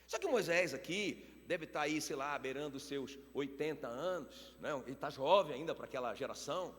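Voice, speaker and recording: Male pastor, high-ish lively voice, long hall reverb. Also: normal speed. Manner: animated preaching, rhetorical questions to the congregation. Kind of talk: sermon. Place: church hall.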